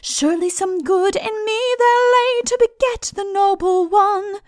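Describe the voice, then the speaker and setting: A woman voicing a solemn aged king in a storybook ballad, chanting in a stately, drawn-out way. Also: very high voice, a little mellow, no echo, studio quality, soft background music, voice pushed up. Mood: solemn, lofty. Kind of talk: slow sung ballad storytelling.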